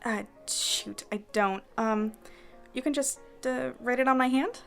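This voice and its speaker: A woman's voice: fairly high pitch, a little slow, creaky, faint music behind. A woman playing an awkward, smitten newspaper editor in a fiction podcast, with a hesitant, stammering delivery. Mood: flustered.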